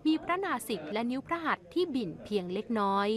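A woman news reporter reading a scripted royal news report in a formal, measured way. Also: mid-range voice, sing-song, a crowd in the background.

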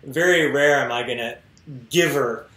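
A fitness podcast co-host in his thirties talks earnestly and swears casually, joining a video call on an earbud mic from a home room lined with bookshelves. His mid-range voice is a bit bright at normal speed, and the room sounds echoey.

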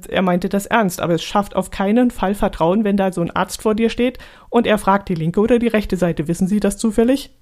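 A woman talks alone into her podcast mic in an easy, casual way. She digresses freely and laughs at her own jokes. Her voice sits at a middle pitch. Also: a little mellow. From Allgäu, Germany. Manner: chatty, digressive, laughs often. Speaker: podcast host. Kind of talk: casual solo podcast monologue.

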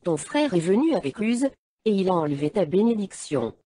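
A woman reading the lines of an elderly blind patriarch in a solemn, measured way. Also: medium pitch, very animated, mellow, breathy edge, no echo. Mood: grave.

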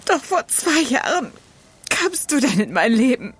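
A woman's voice: sits high, very animated, measured pace, slightly rough, heavily acted. An actress playing a tender, easily frightened young woman in a German horror audio drama, with emotional, dramatic delivery. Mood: sad, confiding. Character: frightened, tender young woman Mary, grieving her mother.

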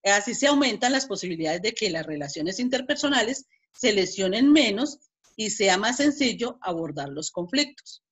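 A woman's voice: mid-range voice, very animated, moderate pace, breathy edge. Colombian woman lecturing an online class, explains step by step, restarts a lot. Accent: Colombian Spanish. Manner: reads example dialogues aloud with emphasis. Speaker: teacher.

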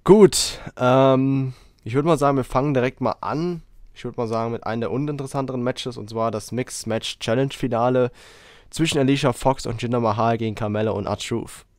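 A man hosting a casual podcast while he has a cold, talking in a rambling, relaxed way with lots of fillers. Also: medium pitch, fairly quick, dry recording, clean studio sound. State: has a cold, hoarse throat. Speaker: podcast host.

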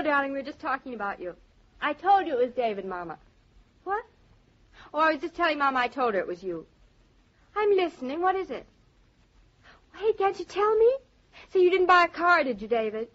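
An actress playing an eager, excitable young newlywed wife in 1940s radio acting, bubbly and impatient. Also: female voice, high voice. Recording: dull old radio transcription.

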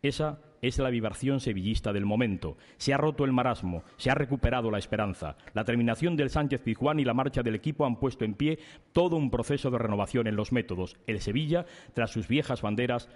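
A middle-aged man giving a formal ceremonial speech at a podium microphone, measured and solemn, building his points in lists of phrases. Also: medium pitch, darkish tone. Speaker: speaker at a club awards ceremony. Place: large indoor reception hall. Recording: reverberant hall via PA.

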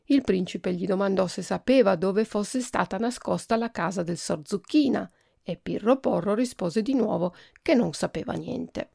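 Gravelly woman reading a children's story. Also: medium pitch, moderate pace, no echo, clean studio sound. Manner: lively, expressive storytelling. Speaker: podcast host, reader. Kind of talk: reading a children's book aloud.

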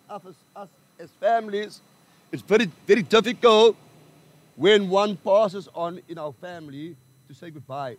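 An older South African man giving a funeral address outdoors at a cemetery, speaking plainly and personally into a stand mic. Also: high-pitched. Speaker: pastor.

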